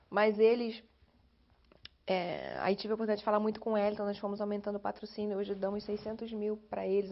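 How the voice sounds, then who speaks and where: A woman with a Brazilian Portuguese accent, telling a story in an oral history interview in an emotional, animated way, indoors. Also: mid-range voice, lo-fi sound.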